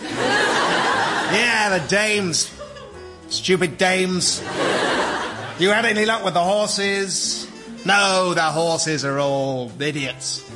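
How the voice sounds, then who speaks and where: High-pitched man, naive, eager, chatty, radio comedy, music behind. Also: drawn-out words, pauses often. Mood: eager, cheerful. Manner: guileless, chatty. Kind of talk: scripted radio comedy acting.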